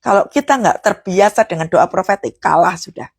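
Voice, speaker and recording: A woman preacher, giving a charismatic sermon. She swings from loud, forceful preaching to hushed prayer. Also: fairly low pitch, lively intonation, brisk, gravelly, husky, no echo.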